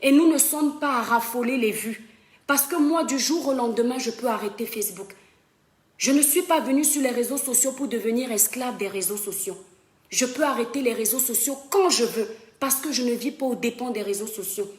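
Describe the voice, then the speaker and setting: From her home in western France, a young woman on a Facebook live stream delivers an impassioned, emphatic monologue straight to her viewers, calling them "mes étoiles." Her voice is on the high side at a moderate pace, and the sound is roomy.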